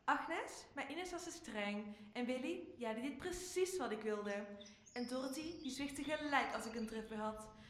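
A woman's voice: on the high side, lively intonation, measured pace. A woman playing a spoiled, easily bored young daughter in a radio play, girlish and impatient. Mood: reminiscing. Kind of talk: Dutch radio play acting. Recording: roomy, echoing sound.

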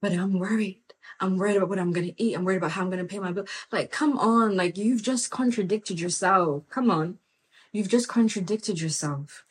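A woman's voice: mid-range voice, fairly quick, poor audio. A woman giving a casual, earnest faith talk as a Christian mentor, telling a personal story with lots of "like" and "come on". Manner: earnest and animated, full of "like" and "come on".

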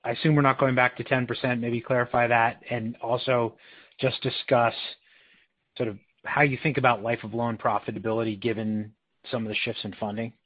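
A man's voice: mid-range voice, little pitch movement, a little fast, no echo. A man working as a financial analyst, putting questions to executives on an earnings call. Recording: dull, dry call audio.

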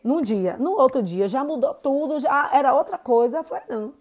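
A woman's voice: high voice, animated, normal speed, a little mellow. A woman in her forties from Salvador with a Bahian Portuguese accent, hosting a casual monologue podcast and chatting straight to her listeners. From Brazil. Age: 40s. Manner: chatty, keeps addressing listeners with "gente" and "né". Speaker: podcast host.

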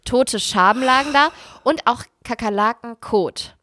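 Animated high-voiced woman telling a story. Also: unhurried, no room sound, studio quality. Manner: animated, dramatic, squeals when reliving fright. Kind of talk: casual storytelling chat.

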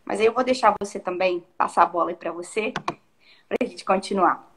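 A woman's voice: mid-range voice, normal speed, noisy background. A woman, co-hosting a casual devotional chat and reflecting on scripture, often acting out quoted speech in shifting tones. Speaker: co-host of a Bible discussion.

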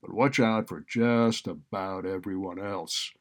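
A man voicing a callous, sarcastic male college dean in a story, loud and exasperated. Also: deep voice, measured pace. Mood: dismissive, weary. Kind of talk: audiobook character dialogue.

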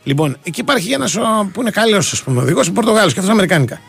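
A man's voice: sits high, sing-song, vocal fry, fairly bright tone, husky. A man co-hosting a radio show, telling a long, rambling story full of fillers and restarts. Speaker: radio sports show co-host. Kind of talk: casual radio chat.

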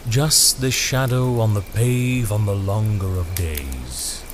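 Slow, sinister, courtly stranger. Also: male voice, lowish voice, background noise. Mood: ominous charm. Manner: formal, theatrical, menacing, measured. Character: sinister, courtly, poetic stranger in fine clothes. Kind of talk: dark audio drama acting.

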